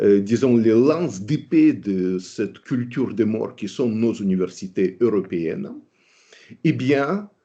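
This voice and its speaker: Speaking at a very slow pace, a man with a medium pitch has a dark, mellow tone. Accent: non-native. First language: Russian (speaking French). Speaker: writer and academic. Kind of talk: interview. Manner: halting, many hesitations.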